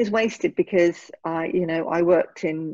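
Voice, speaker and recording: Speaking in a British accent at a fairly slow pace, a woman sounds dry and close, with no echo. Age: 60s. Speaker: neurodiversity coach. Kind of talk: interview conversation. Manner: halting.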